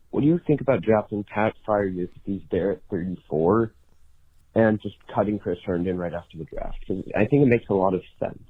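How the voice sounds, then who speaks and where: A man's voice: low voice, husky, dry recording. A man leaving a casual fan voicemail over a narrow, muffled phone line.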